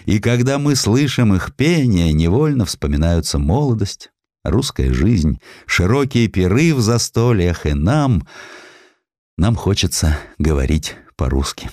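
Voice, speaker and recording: A man reading a scripted historical sketch as an audiobook narrator, in an expressive, dramatic storytelling manner. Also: on the low side, a little slow, no echo, clean studio sound. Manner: expressive storytelling, acting out quoted speech.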